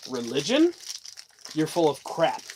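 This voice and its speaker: With noticeable background noise behind him, a man speaks at a fairly high pitch. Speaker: livestreamer. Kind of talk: casual livestream chat.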